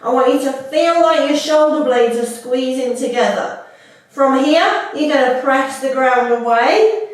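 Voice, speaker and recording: Woman instructor, a bit congested, high and unhurried; echoey room. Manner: warm, unhurried cueing. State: slightly stuffy from a cold. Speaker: fitness instructor. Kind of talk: guided workout instruction. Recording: echoey room, mic at a distance.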